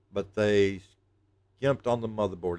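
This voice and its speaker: At a fairly quick pace, a man talks with a fairly low pitch and ordinary pitch variation. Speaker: YouTube creator and musician. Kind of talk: casual vlog monologue. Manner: halting, many fillers and repeats.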